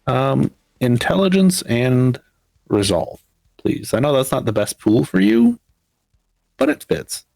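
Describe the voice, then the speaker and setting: A man's voice: mid-range voice, very animated, takes it slowly, creaky, darkish tone, no room sound, poor audio. A man narrating a tabletop role-playing game as storyteller, rambling with many fillers. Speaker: game master.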